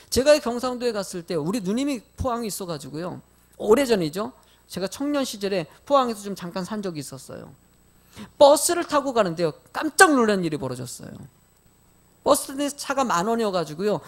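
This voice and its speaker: Middle-aged male preacher, fairly high voice, folksy storyteller who questions his flock. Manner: animated, questions the congregation directly; folksy storytelling with light humor. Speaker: pastor. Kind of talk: sermon.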